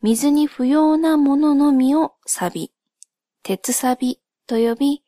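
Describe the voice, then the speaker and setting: A woman speaking softly in a gentle, polite and measured way, as in a calm ASMR-like explanatory monologue by a solo host. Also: high voice, dry recording, clean studio sound. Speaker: host of a solo spoken channel.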